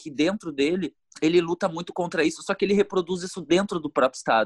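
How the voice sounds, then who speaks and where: A man speaks in a high voice, recorded dry and close with no echo. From southern Brazil, Porto Alegre. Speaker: singer-songwriter. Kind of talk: casual chat. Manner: animated.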